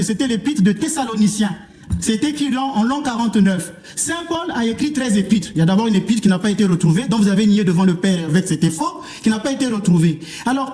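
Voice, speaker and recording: A man's voice: extremely high pitch, darkish tone. A man from Africa speaking as a clergyman in a televised religious debate, lecturing his opponent in an argumentative, reproachful manner. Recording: roomy, echoing sound.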